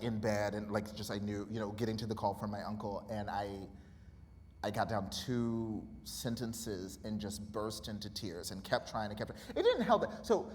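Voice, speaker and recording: A man in his thirties, an author guest in a live interview, talking candidly and animatedly, laughing often and acting out remembered conversations. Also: medium pitch. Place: college auditorium. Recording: reverberant hall with faint noise.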